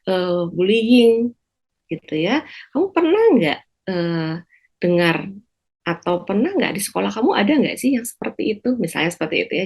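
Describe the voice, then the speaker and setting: Woman, psychiatrist guest; measured explanations, lots of fillers, mid pitch. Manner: measured, many hesitation fillers. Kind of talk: explanatory talk show answers.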